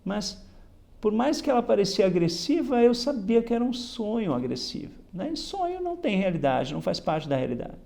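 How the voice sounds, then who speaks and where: A man's voice: high-pitched, big pitch swings, a little fast, gravelly, dark tone. A man explaining a Bible lesson in a reflective way, reading passages aloud and adding "né?" as he goes. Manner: reflective, repeats "né?" often, reads passages then explains. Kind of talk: spoken Bible lesson commentary.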